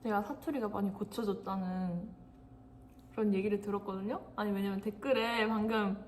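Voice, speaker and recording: A woman's voice: mid-range voice, fairly even intonation, moderate pace, darkish tone, a little hiss or hum. A young woman hosting a casual livestream, chatting and giggling as she talks straight to her viewers.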